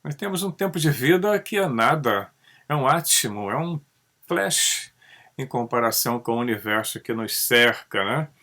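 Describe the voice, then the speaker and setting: A man from Brazil, talking through ideas in a casual monologue, tagging sentences with a questioning "né" and swinging his pitch up and down. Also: moderate pace. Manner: conversational, tags sentences with "né?"; animated, pitch rising and dropping often. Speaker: channel host.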